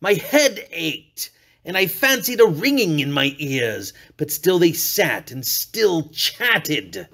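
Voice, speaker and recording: A man performing a dramatic storybook reading as an unhinged murderer, theatrical, sliding from hushed purring to shrieks. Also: a little high, big pitch swings, slow pace, exaggerated voice. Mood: frantic, unraveling. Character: unhinged male murderer, gloating and paranoid, classic villain. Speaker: reader.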